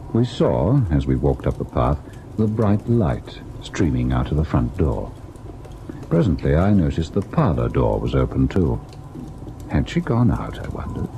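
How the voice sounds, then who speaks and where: An actor playing a haunted husband who tells and relives a ghost story in a grave, deliberate radio drama style. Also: male voice, very deep voice, sing-song, creaky, dark tone, full character voice. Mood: tense. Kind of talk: old-time radio ghost story acting, narrating and in scene. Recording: noisy old radio drama recording.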